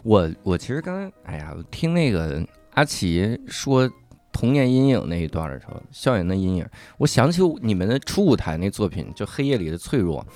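A male podcast host speaks at a middle pitch with a lively, varied melody. He moves between quick jokes and reflective comments. Faint music sits under his voice. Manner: quick quips and reactions, reflective remarks. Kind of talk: casual conversation.

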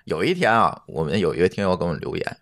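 A middle-aged man co-hosting a relaxed podcast conversation. His pitch swings widely and he talks quickly. He states his opinions emphatically and moves the talk along. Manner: emphatic, opinionated, steers the topic. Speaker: podcast co-host. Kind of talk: casual chat.

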